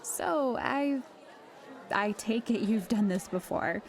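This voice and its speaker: A woman's voice: mid-range voice, some chatter behind. An actress playing a nervous, sheltered teenage schoolgirl in an audio drama, speaking hesitantly. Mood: uneasy, withdrawn. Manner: hesitant, soft-hearted, halting. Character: nervous, sheltered teenage schoolgirl, female, unsure but candid.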